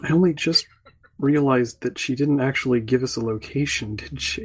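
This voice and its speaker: At a moderate pace, this man speaks in a put-on character voice. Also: medium pitch for a man. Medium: actual play. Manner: formal, deadpan, no contractions.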